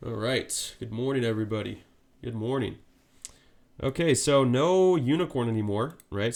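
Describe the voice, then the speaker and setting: A man with a cold and a congested voice, giving live market commentary on his stream and checking in with a frequent "right?". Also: mid-range voice. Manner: steady explanatory, frequent "right?" check-ins.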